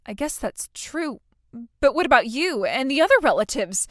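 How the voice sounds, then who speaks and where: A woman's voice: sits high, sing-song, normal speed, dry recording, clean studio sound. A young woman playing a self-absorbed, entitled bride who whines and stammers in a scripted drama. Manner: whiny, stammering, self-pitying.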